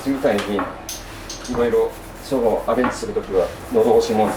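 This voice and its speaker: A sushi restaurant's owner-chef, a man with a brisk, lowish voice, politely and matter-of-factly explains his work as he preps in the kitchen. The mic is distant in a roomy kitchen, and working noise comes through clearly.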